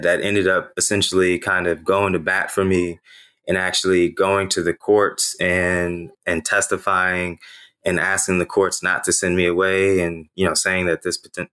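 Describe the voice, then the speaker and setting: A man's voice: deep voice, sharp tone. A man in his thirties whose first language is Haitian Creole, an author telling his own story as an interview guest in an earnest, reflective way with frequent "you know" fillers.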